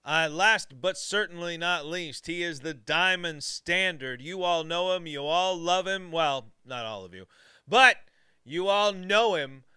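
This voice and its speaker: A man's voice: on the high side, bright, forceful tone, clean tone, no echo, clean studio sound. A man hosting a casual live show, introducing guests with upbeat enthusiasm. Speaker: host.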